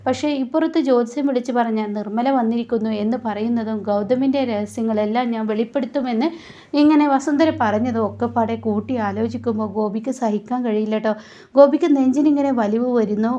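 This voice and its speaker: A woman casually retelling a TV serial plot, chatty and tagging her sentences with a soft "you know". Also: a little high, lo-fi sound. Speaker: serial recap narrator.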